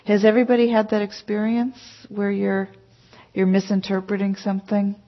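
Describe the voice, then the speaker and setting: A woman's voice: mid-range voice, level tone, moderate pace. Chatty woman giving a meditation talk. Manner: chatty, emphatic, full of "you know" asides. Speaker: meditation teacher. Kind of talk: conversational dharma talk to a class. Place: meditation center hall. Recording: dull lo-fi talk recording.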